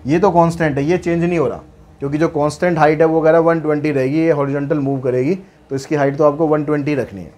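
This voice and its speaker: A man's voice: fairly high pitch, a little mellow. A man teaching maths, explaining problems step by step in a chatty way, asking and answering his own questions. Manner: reads English problem text slowly and deliberately.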